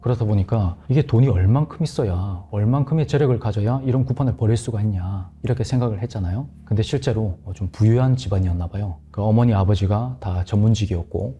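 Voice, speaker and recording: A man telling a ghost story in a hushed, dramatic way on a horror talk show, sometimes dropping to a murmur. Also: lowish voice, quick pace, few pauses, breathy edge, dull audio.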